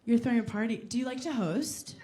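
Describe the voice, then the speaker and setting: A woman from New York doing stand-up crowd work, teasing audience members in brash, rapid banter on a club stage. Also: a little high, dark tone, a little hiss or hum. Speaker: stand-up comedian. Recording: live club with crowd laughter.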